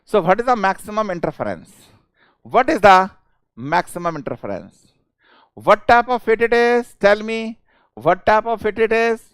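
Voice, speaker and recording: South indian guy teaching exam prep live, high smooth voice, keeps repeating stuff to push students, casual. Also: a bit bright, no echo, studio quality. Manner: repeats questions and phrases insistently; chuckling, informal, coaxing students. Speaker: teacher of an online engineering class.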